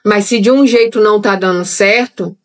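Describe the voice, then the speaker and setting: A woman's voice: mid-range voice, normal speed. A young adult woman leading a live-streamed Bible study in a conversational way, speaking straight to her viewers. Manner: conversational, talks directly to viewers. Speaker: Bible teacher.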